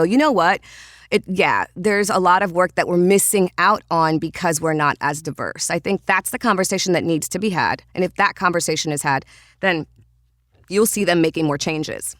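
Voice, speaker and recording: Trinidadian woman, lower register, dry close recording, animated interview guest. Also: dry recording. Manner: animated, quick, with frequent restarts and fillers. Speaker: voiceover artist and podcast guest. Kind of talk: casual interview talk.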